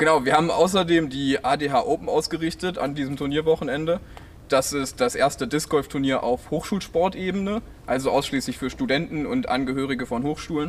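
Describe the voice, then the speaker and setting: An ordinary speaking voice from a man, fairly high in pitch, at a fairly quick pace with ordinary pitch variation. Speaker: disc golf club organizer. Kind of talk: interview. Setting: outdoors. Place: open country.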